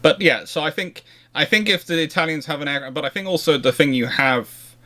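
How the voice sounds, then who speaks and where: A man's voice: a little high, brisk, pushed and bright. A man hosting a casual history question-and-answer chat, rambling and often circling back to rephrase himself. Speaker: host answering viewer questions.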